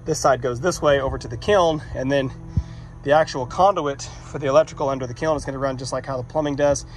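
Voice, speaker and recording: A vlogger doing electrical work chats casually outdoors by a metal shop in a rainy, muddy yard, walking through each step as he works and poking fun at his own mistakes. His mid-range voice is steady and fast, recorded on a handheld phone with faint music behind him.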